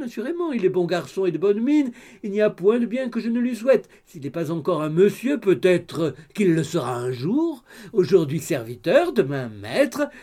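A man voicing a gossipy, excitable middle-aged mother in an audiobook, chattering in a raised, exclamatory voice. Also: high-pitched, pitched above the performer's own voice. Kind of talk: audiobook character reading.

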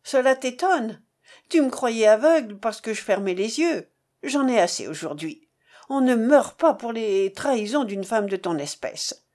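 A woman's voice: on the high side, expressive, a little slow, a little mellow. A woman voicing an angry young man who bitterly accuses his mistress in a storybook reading. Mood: indignant, accusing. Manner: indignant, cold and cutting.

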